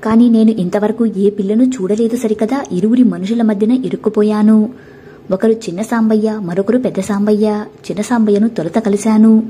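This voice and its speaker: A woman narrating a storybook tale in a steady, expressive reading voice. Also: medium pitch, brisk, slight background noise.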